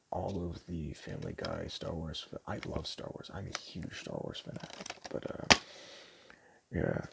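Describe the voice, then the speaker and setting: A man doing a casual, rambling ASMR roleplay, talking hesitantly and stumbling as he reads things out, in a very deep, gravelly voice. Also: noisy background. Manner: casual, hesitant, stumbles over words and self-corrects. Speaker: ASMR roleplay performer playing a DVD store clerk.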